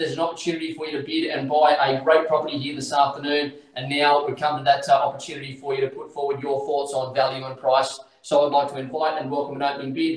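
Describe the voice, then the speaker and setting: Speaking very fast, a man uses a fairly high pitch. The background is quiet, but room echo is audible. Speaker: auctioneer. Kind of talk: property auction opening and sales pitch. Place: office. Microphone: camera far.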